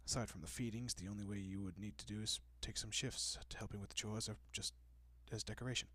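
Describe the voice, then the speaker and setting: Man acting soft, low, breathy gentleman vampire. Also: fairly even intonation, fast talker, no room sound. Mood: calm, explaining. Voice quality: soft, breathy, often dropping to a whisper. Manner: hushed, reassuring, politely old-fashioned. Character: gentle, courteous wealthy male vampire, soothing and possessive. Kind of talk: intimate audio roleplay, addressing the listener.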